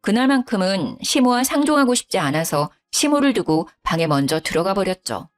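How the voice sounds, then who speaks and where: A woman calmly recounting her own family conflict as a story narrator. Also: mid-range voice, a little fast, soft background music. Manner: calm, matter-of-fact recounting.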